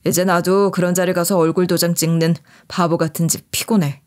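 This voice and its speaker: A woman's voice: fairly low pitch, flat delivery, fairly quick, darkish tone, lightly acted. A woman voicing a sulky, condescending middle-aged husband who is a doctor, talking in a grumbling, dismissive way.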